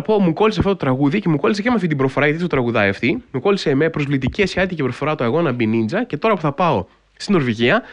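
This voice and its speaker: A man hosts a casual podcast, spinning a story with wry disbelief. His voice sits a bit high for a man and swings widely up and down as he gets carried away. He peppers his talk with fillers and loose asides. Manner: animated storytelling with frequent filler phrases; wry, incredulous humor. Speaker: podcast host.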